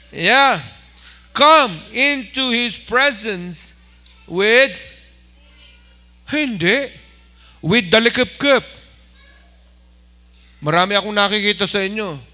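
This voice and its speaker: A man with a Filipino accent preaching a lively sermon as pastor, switching between Tagalog and English and rousing his congregation. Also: high-pitched.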